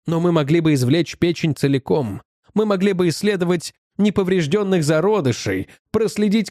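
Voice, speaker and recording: A man reading a story aloud in the first person, in an animated, expressive manner. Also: high-pitched, no echo, studio quality. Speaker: audiobook reader.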